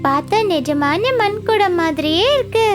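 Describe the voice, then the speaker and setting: A woman's voice: very high-pitched, expressive, measured pace. A woman voicing a friendly, brave little creature in a children's cartoon, with a childlike, reassuring manner. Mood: admiring, reassuring. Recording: loud music under the voice.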